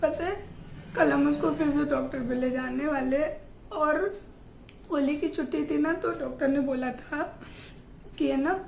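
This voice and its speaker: Woman, heartfelt home vlog, high voice, faint background noise. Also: a little slow, gravelly, long pauses, darkish tone, roomy sound. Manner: emotional, heartfelt confiding. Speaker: vlogger and mother. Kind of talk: casual personal vlog.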